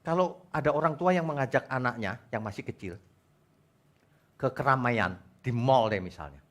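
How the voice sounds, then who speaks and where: A man's voice: mid-range voice, normal speed, a bit bright. A male pastor preaching a sermon to his congregation in church, asking them questions. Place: church service before a congregation.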